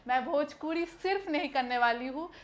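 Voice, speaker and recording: A woman's voice: sits high, moderate pace. A young woman from Kolkata, an actress answering interview questions in a chatty way with hesitant fillers and English phrases mixed in. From Kolkata, West Bengal, India.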